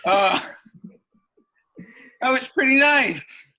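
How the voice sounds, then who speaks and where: An actor playing a polite, bemused man in a comedy sketch, awkward and halting in his delivery. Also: extremely high pitch, lively intonation, sharp tone, full character voice, low-quality recording. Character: polite, bemused young man being serenaded. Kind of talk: virtual staged comedy sketch reading.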